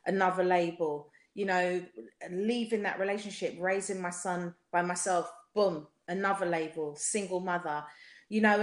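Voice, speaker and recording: A woman with a South London accent giving personal testimony in conversation, speaking emphatically with rhetorical repetition and often checking for agreement. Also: mid-range voice. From South London, England. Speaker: podcast guest, singer. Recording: roomy, echoey sound.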